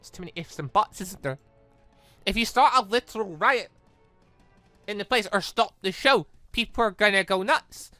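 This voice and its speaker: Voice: mid-range voice, normal speed, sharp tone, no room sound. A let's play host casually commenting on a visual novel and reading its dialogue aloud, rambling and repeating words as they react. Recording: game music behind the voice. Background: background music from the game.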